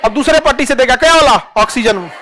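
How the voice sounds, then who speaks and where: Animated teacher quizzing a class. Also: male voice, very high voice, fairly quick, slight background noise. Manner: animated, drills students with repeated questions and acted asides. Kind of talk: classroom lecture with call-and-response.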